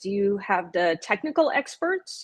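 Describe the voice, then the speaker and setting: A woman speaks at a very slow pace. The sound is dry and close with no echo, over a quiet background. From Ukraine, raised in US. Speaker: energy economist, former diplomat. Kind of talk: interview. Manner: hesitant, many fillers.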